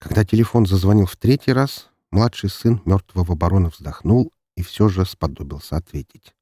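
Husky male audiobook narrator. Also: low voice, normal speed, no room sound, studio quality. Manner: expressive storytelling reading. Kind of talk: scripted narration.

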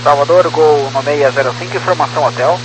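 Brief: Brazilian male pilot, high voice, clipped readbacks, noisy crackling cockpit radio. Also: fast talker. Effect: crackly aviation radio. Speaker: airline pilot.

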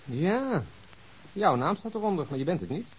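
An actor playing a dry, mocking police detective who needles colleagues in a radio drama. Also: male voice, sits high, very animated, moderate pace, husky, exaggerated voice, rough recording. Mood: sarcastic. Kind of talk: Dutch radio drama acting.

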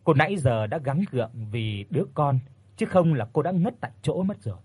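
Husky-voiced man telling a ghost story. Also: fairly high pitch, dry recording. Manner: steady, measured storytelling. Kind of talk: scripted ghost story narration.

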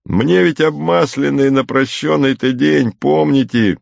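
A man's voice: medium pitch, a little slow, vocal fry, darkish tone, no echo, voice pushed up. A man voicing a cheerful, carefree young male soldier who talks in folksy, jaunty soldier's slang, on a dull lo-fi recording.

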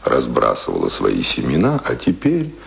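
An actor in a radio play playing an earnest, passionate young self-taught would-be writer, speaking ardently and poetically. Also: male voice, a bass voice, wildly swooping pitch, moderate pace, vocal fry, exaggerated voice. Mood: rapturous.

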